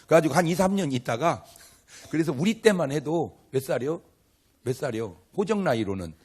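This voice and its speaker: An older male pastor preaching a revival sermon with a husky, slightly raised voice that swings widely in pitch. He tells stories in a folksy, humorous way, acting out little dialogues and tossing questions to the congregation. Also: expressive, a little fast, a little mellow. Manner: humorous, colloquial storytelling that acts out dialogue; asks the audience questions and banters with them.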